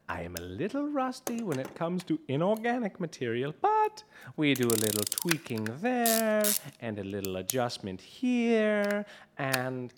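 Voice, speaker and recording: An actor playing a gleeful, unhinged mad scientist in an audio drama, with a theatrical, wildly swinging delivery. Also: male voice, medium pitch, noisy background, exaggerated voice. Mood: gloating.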